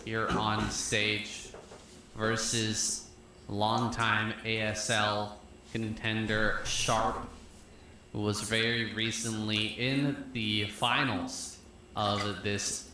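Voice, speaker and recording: A man's voice: lowish voice, very slow, a little hiss or hum. A man commentating a competitive match live, building hype and narrating the action. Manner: energetic, hyping up the match. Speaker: esports commentator. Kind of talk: play-by-play commentary. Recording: very roomy broadcast audio with music.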